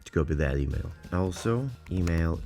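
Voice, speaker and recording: A man with a low voice talks through a software review in a casual, informal style. He rambles and hedges as he goes, and music plays behind him. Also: animated, moderate pace, vocal fry. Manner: rambling, informal, hedging with filler phrases. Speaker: tech reviewer.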